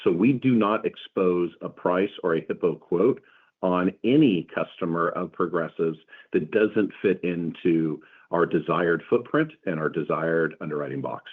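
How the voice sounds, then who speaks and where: A man answering questions as a company executive on an earnings call, in measured corporate explanation. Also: sits low, husky. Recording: muffled phone-like conference call line.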